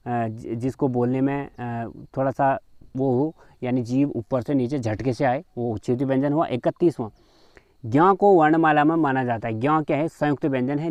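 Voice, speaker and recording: A man's voice: medium pitch, a little mellow, no echo, highs cut off. A man teaching a grammar lesson in quiz form. He reads each question aloud and then explains the answer, with frequent fillers, calling his viewers friends.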